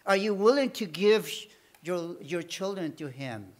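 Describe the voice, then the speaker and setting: Slow, high-voiced preacher. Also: male voice, animated. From Bolivia. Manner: slow, emphatic preaching with repeated phrases. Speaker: missionary preacher. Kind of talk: sermon.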